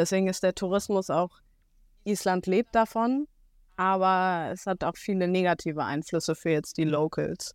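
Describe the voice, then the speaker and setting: A woman with an unremarkable speaking voice talks at a moderate pace and medium pitch with ordinary pitch variation, in a dry, close sound with no echo on a very clean recording with a silent background. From Germany, Frankfurt area. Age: 20s. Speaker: horse trainer. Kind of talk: casual interview.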